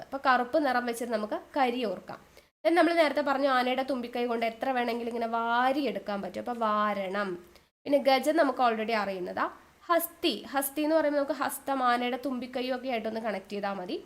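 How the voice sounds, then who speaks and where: A woman with a fairly high voice teaches an online exam coaching lesson. She drags out each key word and says it twice. She keeps asking the class questions and answering them herself. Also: fairly bright tone.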